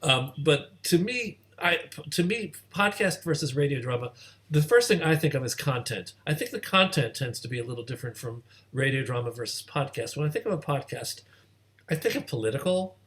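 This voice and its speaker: A man's voice: fairly high pitch, expressive, brisk, fairly bright tone. A man hosting an informal discussion, hesitant and self-deprecating, repeating words as he thinks aloud. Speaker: host moderating a panel discussion. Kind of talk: informal interview conversation.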